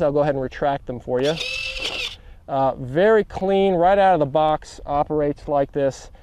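A man's voice: mid-range voice, warm tone, clean tone, lo-fi sound. A middle-aged man outdoors on a grassy field, presenting a model aircraft and then commentating its flight, full of fillers and eager asides to viewers. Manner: filler-heavy, eager, talks straight to viewers. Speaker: model aircraft reviewer and pilot. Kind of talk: product demo and flight commentary.

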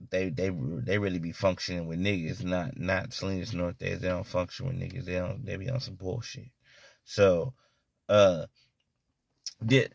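A man's voice: lowish voice, no room sound, clean studio sound. A man telling street stories in a casual, rambling monologue, often checking in with "you know what I mean". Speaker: storyteller.

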